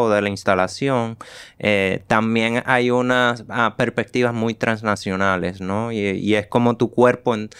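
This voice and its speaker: Halting male professor, very clear voice. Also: fairly low pitch, a bit bright, no room sound. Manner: halting, many fillers and tag questions. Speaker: professor and interviewer. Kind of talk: academic interview questions.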